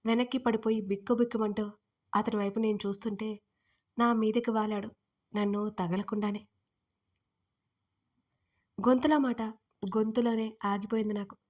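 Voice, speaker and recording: A woman storyteller giving an expressive, dramatic first-person narration of a scripted romance story. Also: medium pitch, moderate pace, pauses often.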